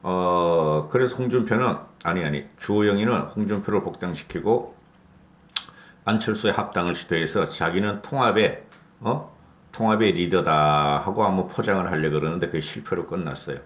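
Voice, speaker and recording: A man's voice: low-pitched, moderate pace, fairly bright tone, roomy sound. A man from North Gyeongsang, South Korea, giving a blunt, opinionated political commentary and asking for agreement with rhetorical tags. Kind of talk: casual political commentary monologue.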